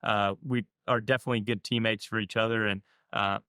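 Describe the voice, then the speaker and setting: A man's voice: lowish voice, steady tone, brisk, sharp tone, clean tone, no room sound, clean studio sound. A young adult man, a drag racing driver, talking candidly and easygoingly in an interview. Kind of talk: casual interview answers.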